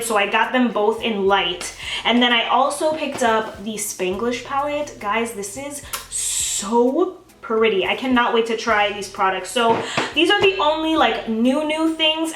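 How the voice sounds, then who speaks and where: A woman's voice: a little high, fairly bright tone, recorded from a distance, a little hiss or hum. Bubbly young woman, echoey room. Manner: bubbly, gushing, talks to viewers as guys. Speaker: beauty vlogger. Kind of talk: casual chatty makeup tutorial. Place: home, filming herself.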